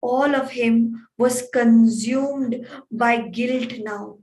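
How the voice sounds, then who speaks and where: Woman storyteller, slow deliberate pace, echoey room, distant mic. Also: a little high, steady tone, a little mellow. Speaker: wellness coach. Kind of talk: storytelling talk.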